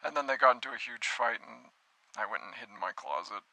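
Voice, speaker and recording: A man performs an earnest, naive young man for a cartoon spoof. His voice is strikingly bright and cutting, recorded very dry. He talks in a hesitant, self-pitying, brooding way, as in an everyday conversation. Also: mid-range voice, animated, fairly quick, creaky, dry recording, full character voice, rough recording. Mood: wistful.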